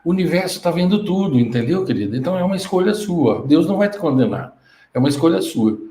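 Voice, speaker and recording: A man voicing a gentle, fatherly God who speaks calmly to a grieving man. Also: a little high, quick pace, natural voice. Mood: reassuring. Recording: roomy echo.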